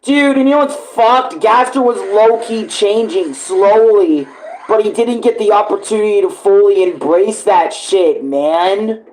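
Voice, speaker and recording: Guy streamer reacting live, kinda high voice, slow drawn out talk, lots of slang and swearing. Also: a little mellow, poor audio. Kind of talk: casual live reaction commentary.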